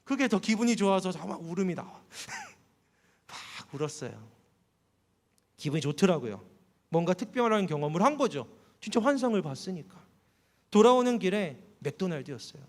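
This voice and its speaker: A man, a pastor, preaching a sermon and telling a personal story in a storytelling way, softening his voice for quoted words. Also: very animated, normal speed. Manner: storytelling, voice drops soft and low for quoted words. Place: church hall. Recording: long church hall reverb.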